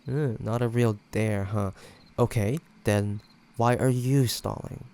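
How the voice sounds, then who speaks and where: A man acting a playful, teasing young ex-boyfriend in an intimate roleplay audio drama, talking casually with hesitant pauses and a creaky edge. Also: on the low side, steady tone, a little mellow.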